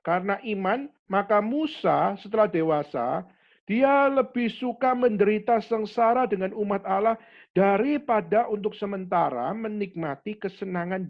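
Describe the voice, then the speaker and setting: A man preaching a sermon as a pastor, animated, dropping in English words and acting out quoted speakers. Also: sits high, lo-fi sound. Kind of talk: sermon to a youth fellowship.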